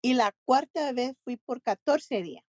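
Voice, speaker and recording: A woman's voice: sits high, a little slow, no echo, studio quality. A woman in her forties from Nicaragua, co-hosting a podcast and chatting in a friendly way about her life. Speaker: podcast co-host. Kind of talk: casual chat.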